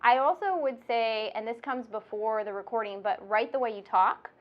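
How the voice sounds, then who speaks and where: A woman's voice: a little high, normal speed, highs cut off. A woman with a nasal voice, hosting and teaching in a bubbly, chatty way. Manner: bubbly, chatty, laughs often. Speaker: instructor and podcast host. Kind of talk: casual instructional chat.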